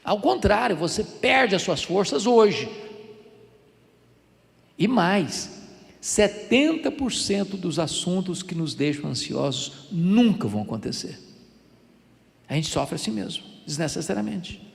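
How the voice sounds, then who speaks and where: A man's voice: sits high, very animated, a little slow, gravelly, pauses often. An older man with a Brazilian Portuguese accent preaching a sermon as a pastor, telling stories with dramatic swings. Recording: echoey hall reverb.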